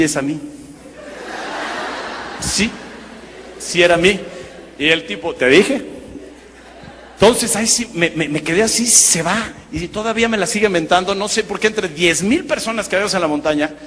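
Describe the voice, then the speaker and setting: High, bright Mexican man telling a funny testimony. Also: in a large hall. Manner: lively, joking, self-mocking storyteller. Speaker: broadcaster giving a personal testimony. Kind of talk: humorous testimony storytelling to an audience.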